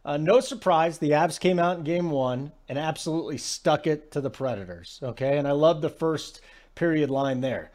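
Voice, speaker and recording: Male sports talk host, emphatic, casual, slightly high voice. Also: moderate pace, darkish tone. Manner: emphatic, keeps asking "okay?". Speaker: sports betting radio host.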